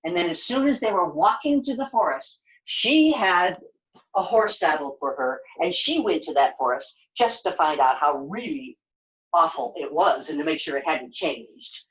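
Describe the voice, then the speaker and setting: A woman puppeteer telling a children's story live, with dramatic emphasis and deliberate repetition. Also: deep voice, animated, dull audio.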